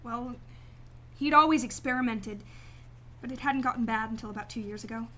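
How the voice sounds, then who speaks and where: A woman playing a guarded, emotionally detached client in a radio drama, speaking formally and deliberately. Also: on the high side, fairly bright tone, lightly acted. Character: cool, detached female client, guarded murder victim's sister.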